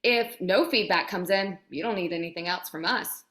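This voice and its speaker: Speaking at a moderate pace in a lower, fairly bright voice, a woman talks as an interview guest about being a producer and director. Her conversational manner is enthusiastic, chatty, and emphatic.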